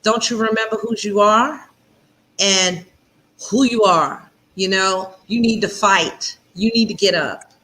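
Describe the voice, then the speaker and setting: Bright, emphatic woman motivational speaker. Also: medium pitch, measured pace, poor audio. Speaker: summit speaker, guest. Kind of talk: casual interview.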